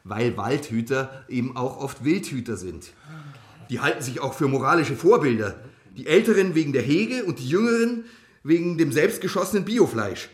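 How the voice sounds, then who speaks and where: In a roomy, echoing space, an actor plays a male environmental activist giving a talk in a radio crime drama. His mid-pitched voice explains things with dry wit and firm opinions. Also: sing-song, moderate pace, close to an everyday voice. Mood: critical, insistent. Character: engaged male environmental activist lecturing youth campers.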